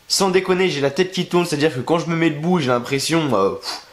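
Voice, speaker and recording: A young man with the flu, congested and worn out, rants crudely and sarcastically into a camera facing him for a wrestling review. He talks fast in a voice on the high side, recorded in his bedroom at home with a roomy sound and a little hiss or hum.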